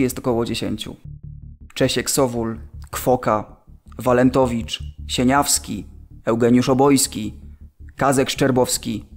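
An actor reading as a Polish prisoner who works as a camp orderly, measured and matter-of-fact, in an audio drama. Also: male voice, mid-range voice. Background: music.

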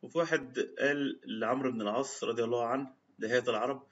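A man speaking with an Egyptian Arabic accent delivers a religious talk built on stories, recounting old anecdotes and reciting quotes in formal classical Arabic. His voice is medium-pitched, steady, fast, and a little bright, captured in slightly dull lo-fi audio.

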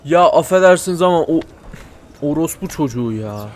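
A man doing let's play commentary, joking and bursting into loud mock-angry swearing. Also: a little high, lively intonation, a little fast, slight background noise. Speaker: gameplay commentator.

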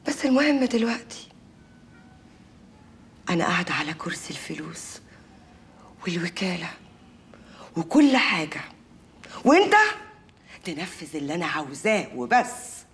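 An actress playing a cold, scheming Egyptian wife who talks in a hushed, menacing way. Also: female voice, on the low side, moderate pace, pauses often, a little hiss or hum, lightly acted. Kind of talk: film drama acting.

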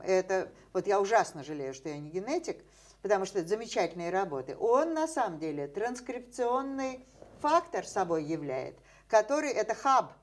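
An older woman with a medium-pitched voice appears as a scientist guest in an interview, explaining ideas at length. She uses many fillers and rhetorical questions while seated in a dim indoor room.

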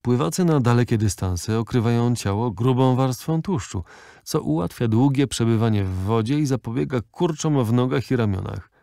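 A man's voice: medium pitch, expressive, normal speed, vocal fry, warm tone, no echo, studio quality. Man voicing a haughty old aristocratic lady. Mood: explaining. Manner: stiff, disdainful, lecturing.

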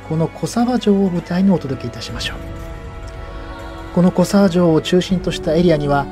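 A man hosting and narrating local history in a measured, explanatory manner. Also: on the high side. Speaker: host and narrator.

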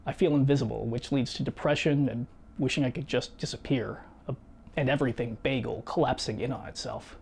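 A man in his thirties reading a scripted personal video essay in a measured, reflective way, seated in a small home studio. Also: mid-range voice, steady tone, creaky, slightly rough. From United States. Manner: measured, reflective storytelling with quiet asides. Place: small home studio room with guitars and shelves.

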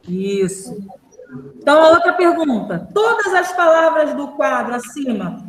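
A woman's voice: sits high, big pitch swings, a little slow, reverberant, rough recording. A woman teaching a primary school grammar class, patiently repeating rules and asking the class questions, with a Brazilian Portuguese accent. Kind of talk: online class lesson.

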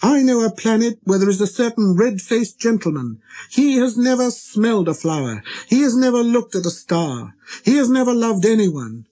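A man voicing an earnest, persistent little boy prince in a storybook, with a high, light, childlike voice and an insistent way of talking. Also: sing-song, normal speed, mellow. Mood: indignant. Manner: insistent, questioning.

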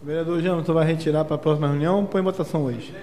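Quick high-voiced man chairing a council. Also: fairly even intonation, dark tone. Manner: brisk, procedural. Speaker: council president chairing the session. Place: city council chamber. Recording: echoey hall, faint room noise.

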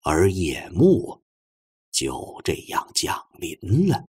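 A male audiobook narrator with a husky, low voice reads fiction in a dramatic style. His pitch swings widely as he tells the story in measured, expressive phrases. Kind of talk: dramatic scripted novel narration.

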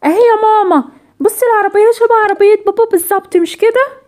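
A woman doing a shrill Egyptian little girl. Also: quick pace, darkish tone. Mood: insistent. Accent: Egyptian Arabic. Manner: eager, pleading, breathless chatter. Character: excited little girl, insistent daughter.

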